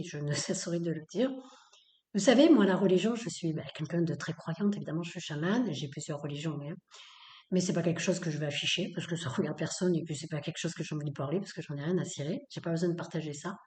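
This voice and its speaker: Female podcast host, low mellow voice, blunt and emphatic, echoey room. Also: fast. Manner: emphatic, repetitive, with many fillers; blunt, opinionated. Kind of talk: spoken-word episode.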